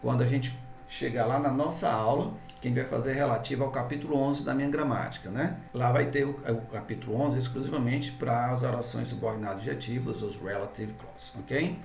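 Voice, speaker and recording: A man with a Brazilian Portuguese accent, an English teacher, gives a grammar lesson, explaining step by step and often checking in with his students. His medium-pitched voice is a little fast, gravelly, and a little mellow, recorded from a distance in a reverberant space with a little hiss or hum.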